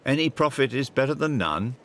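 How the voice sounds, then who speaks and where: A man's voice: medium pitch, expressive, fairly quick, heavy background noise. A man giving light scripted television narration in a playful, wry manner, full of wordplay.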